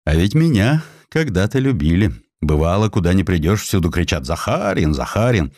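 A man's voice: deep voice, big pitch swings, normal speed, a little mellow, dry recording, clean studio sound. A man voicing a proud, aggrieved older doctor of imperial Russia in an indignant, declamatory manner for a dramatized audiobook. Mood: wounded, puzzled.

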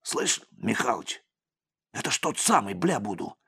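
A man's voice: lowish voice, unhurried, vocal fry, husky, heavily acted. A man voicing a young, eager male police sergeant who pleads and gets worked up. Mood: conspiratorial. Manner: pleading, excitable, whiny.

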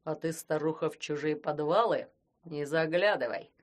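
A man's voice: on the high side, moderate pace, close to an everyday voice. A man voicing a greedy, cowardly immortal sorcerer who grumbles and threatens. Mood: grumbling. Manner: grumbling, menacing.

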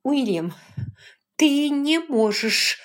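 A woman's voice: high-pitched, lively intonation, normal speed, pushed and bright, in a whisper, pitched above the performer's own voice. A woman voicing a furious young woman who screams and shrills in an audiobook reading.

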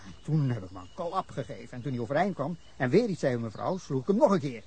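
With a warm, husky tone, this mid-range voice is very animated and quick, a full character performance. In a Dutch radio drama, the actor plays a defensive middle-aged man recounting a drunken fight to police, indignant and rambling, with angry bursts.

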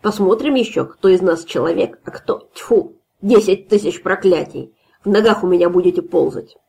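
A drunken, swaggering male guard with a slurred, taunting way of speaking, as a woman reads him aloud. The voice has a gravelly, husky edge. He boasts and jeers from an audiobook fairy tale. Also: on the low side, normal speed, a little mellow.

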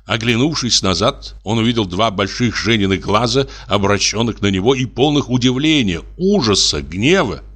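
A man narrating a classic short story as an audiobook, with expressive storytelling. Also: fairly low pitch, moderate pace, few pauses.

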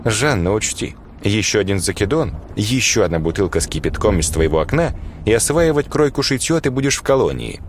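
A man's voice: lowish voice, sing-song, a little fast, few pauses, a little hiss or hum. A man voicing a blunt, foul-mouthed middle-aged male teacher who lectures and swears. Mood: gruff. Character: gruff crude male schoolteacher, middle-aged.

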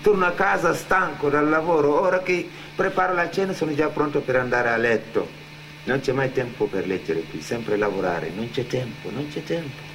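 An actor playing an earnest, philosophical immigrant labourer in radio theatre, with an insistent, expressive delivery. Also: male voice, mid-range voice, moderate pace, natural voice, low-quality recording. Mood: weary, resigned. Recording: faint background noise.

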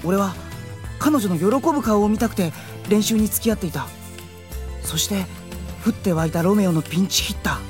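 A male voice actor playing a flustered, lovesick high school boy in a Japanese anime-style audio drama, excitable and full of self-doubt. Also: brisk, natural voice. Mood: earnest, wistful. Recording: background music under the voice.

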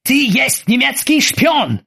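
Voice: high-pitched, big pitch swings, slow pace, creaky, a bit bright, slightly rough, voice pushed up, full character voice. A reader putting on a barking mock-German captain. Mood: bossy interrogating. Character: blustering ship captain faking a German accent. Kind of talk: audiobook character voice.

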